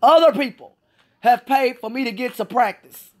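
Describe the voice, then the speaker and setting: Her voice sits a little high and moves at a normal pace. In this vlog monologue, a female Special Olympics athlete vents her frustration with profanity and keeps repeating herself.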